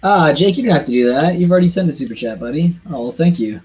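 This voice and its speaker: A chatty man talking on a casual live stream, his voice a little husky and worn at the edges. He talks in quick bursts and trips over unfamiliar words. The audio is dull and muffled. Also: on the high side, lively intonation, a little mellow. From Canada.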